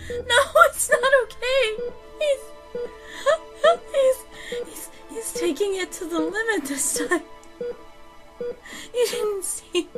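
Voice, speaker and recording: A traumatised young woman played by an actress in a radio drama, very high in pitch. She speaks very slowly in tearful, broken, stammered phrases over music. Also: heavily acted. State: crying, shaken. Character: traumatised young woman, injured daughter of police chief. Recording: music under the voice.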